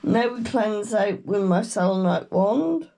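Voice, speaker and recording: A woman with a British accent, croaky from a cold, giving a slow, meandering tarot reading with murmured chants. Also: mid-range voice, lively intonation, mellow. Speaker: tarot reader. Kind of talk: casual tarot reading chat.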